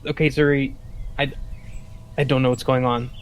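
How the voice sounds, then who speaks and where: A man's voice: mid-range voice, flat delivery, moderate pace, a little hiss or hum, natural voice. A man playing a flustered man turned plant creature in denial, stammering and repeating himself in agitation during a tabletop game. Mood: overwhelmed, impatient.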